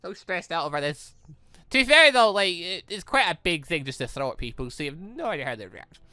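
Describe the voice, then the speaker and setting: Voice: mid-range voice, sing-song, brisk, sharp tone, dry recording, studio quality. A gaming YouTuber giving casual playthrough commentary in a chatty, rambling, enthusiastic way. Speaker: gaming YouTuber, let's player.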